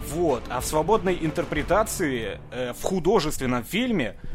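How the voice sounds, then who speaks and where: A man's voice at a moderate pace, fairly high in pitch, an ordinary speaking voice. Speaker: gaming podcast co-host. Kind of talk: casual chat. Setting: Skype call. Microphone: poor sound, misbehaving computer mic.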